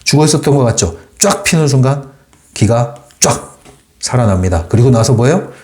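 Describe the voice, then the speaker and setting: Male lecturer, mid pitch, emphatic and exhorting, repeats short commands. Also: expressive, quick pace, a little mellow. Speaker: book lecturer. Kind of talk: lively spoken book commentary.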